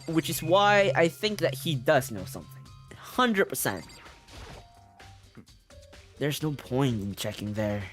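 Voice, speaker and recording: Man streaming a game, giggly and chatty, low lively voice, faint game music behind. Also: slow pace, pauses often. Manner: giggly, chatty, reacting to chat. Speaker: streamer playing a story game. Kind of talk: casual livestream chat and reading game text aloud.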